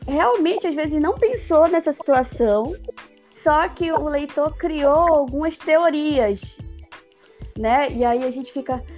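A woman, chatting casually as a guest author in an interview, explaining things in an animated way. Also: high-pitched. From Pará, northern Brazil.

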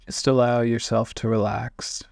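Man guiding meditation, slow and gravelly. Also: medium pitch, level tone, no room sound. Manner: gentle instructive phrasing with long pauses. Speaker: meditation guide. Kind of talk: guided meditation.

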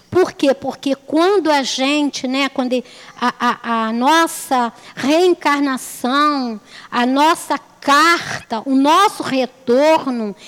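Recorded in a large-sounding room, a high-pitched woman speaks as a lay speaker at a spiritist center. Her religious talk is chatty and story-driven, full of repeated phrases and rhetorical questions.

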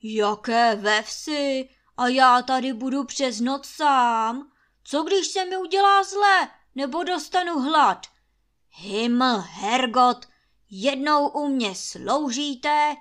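A woman's voice: high voice, animated, a bit bright, voice pushed up. Woman doing a roaring old landlord. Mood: raging. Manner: roaring, cursing, short-tempered. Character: blustering grumpy old male mountain landlord.

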